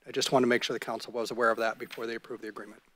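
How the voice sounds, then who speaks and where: Flat-voiced city attorney giving a formal report. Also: male voice, mid-range voice. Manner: measured, formal legal phrasing. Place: council chamber dais. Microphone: desk microphone.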